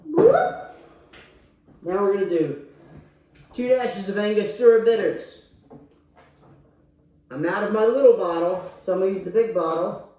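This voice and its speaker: A man's voice: high-pitched, normal speed, pauses often, warm tone. A drunk man hosting a casual cocktail tutorial online, talking in a slangy, crude, boisterous way. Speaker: YouTube host. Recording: echoey room, faint background noise.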